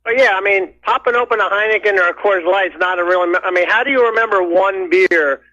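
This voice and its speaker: A man's voice: sits high, a little fast, bright, forceful tone, dry recording. A man calling in over the phone to a talk radio show, talking in an indignant, rambling way full of restarts. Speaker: caller. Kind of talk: call-in radio chat. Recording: muffled phone line.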